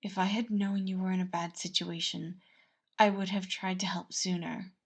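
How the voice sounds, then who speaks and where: A woman voicing an earnest, protective male royal advisor in a measured, formal way for a storybook tale. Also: on the low side, flat delivery, breathy edge. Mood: tender, careful.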